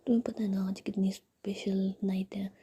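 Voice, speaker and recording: A woman voicing a gentle young newlywed woman, whispering softly and pleadingly. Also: mid-range voice, little pitch movement, normal speed, husky. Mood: coaxing.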